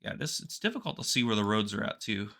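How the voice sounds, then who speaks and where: A man's voice: lowish voice, big pitch swings, fast talker, gravelly, sharp tone. A man hosting a casual game map tour, talking in a chatty, easygoing way, congested and with a sore throat. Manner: chatty and easygoing, rambling asides. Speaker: gaming channel host.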